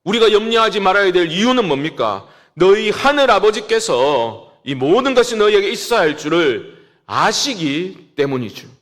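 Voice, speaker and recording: High, lively-voiced male pastor preaching. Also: moderate pace. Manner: emphatic preaching, rises to scolding then drops low. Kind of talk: sermon. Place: church sanctuary.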